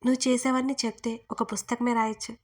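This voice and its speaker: A woman's voice: a little high, flat delivery, quick pace, natural voice. A woman voicing a stern but tender young man speaking curtly to his fiancée, in a storybook romance. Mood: gruff.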